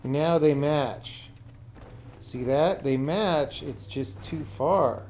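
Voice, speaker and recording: A man's voice: fairly high pitch, extremely slow, a little mellow. A man livestreaming game programming, muttering casually to himself in short fragments with the odd swear word. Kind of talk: casual thinking aloud while coding on stream. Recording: faint noise with keyboard typing. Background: computer keyboard typing.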